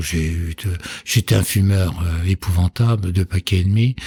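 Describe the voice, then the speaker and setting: A man speaks with a very deep, low pitch and a dark, mellow tone that is somewhat breathy. The recording is very clean, with a silent background. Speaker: retired insurance broker. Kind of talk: interview. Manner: hesitant.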